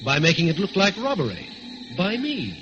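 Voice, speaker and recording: An actor playing a shrewd, composed gentleman jewel thief in an old-time radio thriller, with a brisk, assured, explanatory manner. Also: sits high, huge pitch swings, music in the background. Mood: reasoning, confident. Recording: muffled old radio recording, faint noise.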